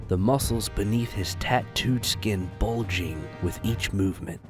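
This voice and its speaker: A man reading scripted story narration expressively as the narrator of an audio drama. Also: on the low side.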